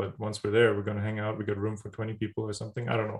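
This man speaks with a German accent. His voice sits fairly low in pitch. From Germany. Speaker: podcast co-host. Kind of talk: casual chat.

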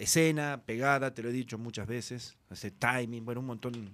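A man with a plain, everyday voice speaks at a fairly quick pace and medium pitch, with ordinary pitch variation. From Argentina, Santa Fe province. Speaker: music manager and former bassist. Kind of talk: casual interview chat.

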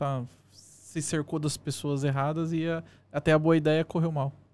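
Fairly high in pitch yet dark and mellow in tone, a man speaks with fairly even intonation on a very clean recording with a silent background. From Brazil, Rio de Janeiro.

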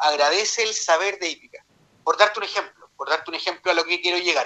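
A man with a high voice talks at a fairly quick pace in a fairly even intonation. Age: 30s. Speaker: racetrack marketing manager. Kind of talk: radio interview.

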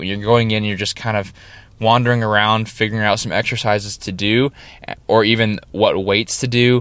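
A man speaks loudly and at a moderate pace, with a fairly low pitch. His tone is energetic, bright and sharp. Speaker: fitness podcast host and strength coach. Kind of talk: solo podcast monologue. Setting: recording in a parked car.

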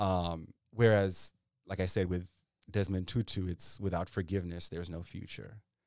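On a very clean recording with a silent background and a dry, close sound with no echo, a man with a very deep, low pitch talks at a fairly quick pace with fairly even intonation. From Zimbabwe. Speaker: podcast co-host. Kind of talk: casual chat.

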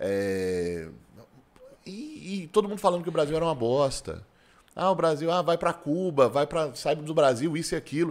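A man talks with lively intonation at a moderate pace. He has an unremarkable speaking voice with a fairly high pitch. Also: very clean recording, silent background. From Minas Gerais, Brazil (Contagem, near Belo Horizonte). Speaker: gaming content creator. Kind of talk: casual interview chat.

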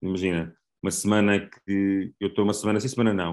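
A man speaks with a European Portuguese accent. The background is quiet. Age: 40s. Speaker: father with parenting social media page. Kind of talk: casual chat. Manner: halting.

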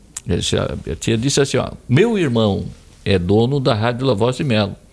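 A man with an ordinary speaking voice, medium in pitch, at a moderate pace with lively intonation. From southern Santa Catarina, Brazil. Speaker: veteran radio broadcaster. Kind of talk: interview, storytelling.

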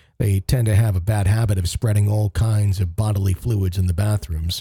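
This man's voice has a dark, mellow tone and is somewhat breathy. The sound is dry and close with no echo, in a very clean recording with a silent background. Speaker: podcast host and narrator. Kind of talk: ghost story telling, scripted narration with eerie first-person tale. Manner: hushed, suspenseful, measured pacing that builds dread; formal, polished, steady.

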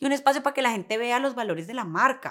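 A woman speaks at a fairly quick pace in a high pitch with a bright, sharp tone and ordinary pitch variation. The recording is very clean, the background silent. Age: 40s. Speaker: public relations entrepreneur. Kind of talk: interview.

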